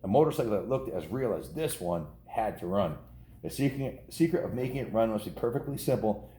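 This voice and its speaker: An American man in his fifties reads a children's story aloud to kids, his voice low and very mellow. He keeps it folksy and informal, tossing in casual asides and correcting himself along the way. The room gives a roomy echo, with faint background noise.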